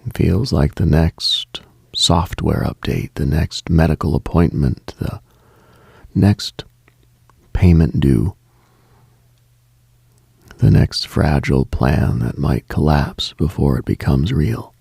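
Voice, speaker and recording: A man hosting a late-night radio show, speaking a slow reflective monologue in a hushed, half-whispered delivery. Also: extremely low pitch, gravelly, husky, no echo.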